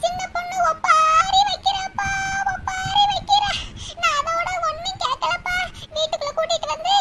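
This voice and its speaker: An actor voicing a grieving old village mother who speaks in slow, tearful laments in a cartoon. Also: extremely high pitch, steady tone. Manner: slow mournful pleading. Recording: loud hiss under the voice.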